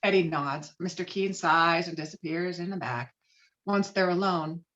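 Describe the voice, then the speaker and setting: A woman's voice: fairly low pitch, moderate pace, a bit bright, highs cut off. A woman narrating screenplay stage directions with a dramatic, emphatic read on a video call.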